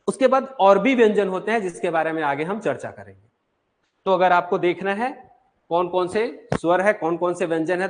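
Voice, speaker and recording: A man with a fairly high voice teaches an exam-prep class. He explains step by step, asks his students questions and then answers them himself. slip into his sentences now and then. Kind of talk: online class lecture.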